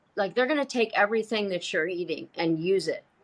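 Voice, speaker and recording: A woman speaks with lively intonation at a fairly high pitch. It is an unremarkable speaking voice. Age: 60s. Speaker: hair care product maker. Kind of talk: interview.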